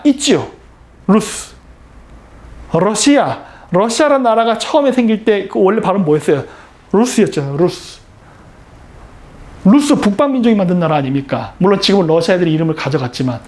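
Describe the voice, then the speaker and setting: A man's voice: high voice, darkish tone. A man giving a history lecture, explaining with emphasis and often asking rhetorical questions he answers himself.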